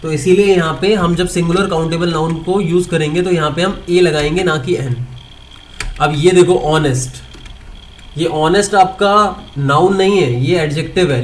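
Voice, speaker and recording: A man's voice: a little high, brisk, a little hiss or hum. A man teaching English grammar online, asking his students questions and answering them himself. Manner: mixes Hindi with English terms, repeats points.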